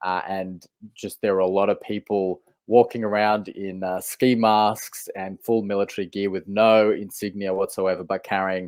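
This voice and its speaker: With an Australian accent, a man talks at a moderate pace, his fairly low pitch kept in a monotone, flat intonation. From Australia, Sydney. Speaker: geopolitics commentator, former political staffer. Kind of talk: interview conversation.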